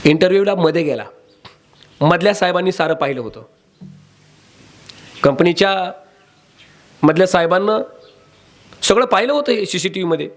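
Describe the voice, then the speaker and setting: A man's voice: high-pitched, animated, moderate pace, long pauses. A male kirtan preacher telling a moral story in a dramatic sermon, addressing young listeners. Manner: dramatic, sing-song emphasis, addresses children.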